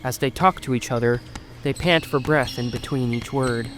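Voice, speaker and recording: A man narrates a scripted audio drama in a mid-range voice. He tells the story in the third person as an audiobook narrator, with music playing clearly behind him. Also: mid-range voice, normal speed. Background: music under the voice.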